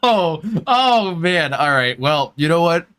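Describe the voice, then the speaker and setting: A man with a fairly high voice and very animated intonation hosts a gaming livestream. He talks casually to his chat, joking around in loose slang and the odd swear word. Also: slow, clear, resonant tone. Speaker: streamer and host of a live gaming stream.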